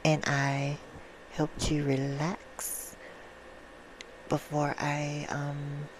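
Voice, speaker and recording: A soft-spoken woman chatting casually and affectionately to her viewers in an ASMR style, with an informal, self-deprecating manner. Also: low-pitched, monotone, very slow, slight background noise, poor audio. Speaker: ASMR video creator and host.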